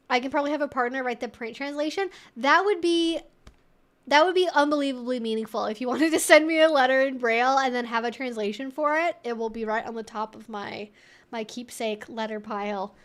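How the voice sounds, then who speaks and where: A young woman hosting a livestream, chatting informally and thinking aloud in a rambling way as she answers viewers. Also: sits high. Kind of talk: casual livestream chat.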